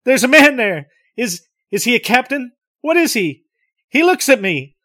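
A man's voice: sits high, lively intonation, normal speed, fairly bright tone, pitched above the performer's own voice. A man doing a panicked, stammering witness. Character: terrified man reliving an encounter under questioning.

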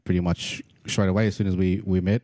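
A man hosting a casual chat, relaxed and brief as he asks questions. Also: deep voice, fast, no echo. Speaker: host.

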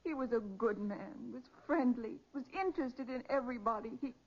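An actress playing a bereaved sister, hesitant and plaintive, in the style of 1940s radio crime drama. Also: female voice, fairly high pitch, moderate pace. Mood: distressed. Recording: dull, muffled 1940s radio recording.

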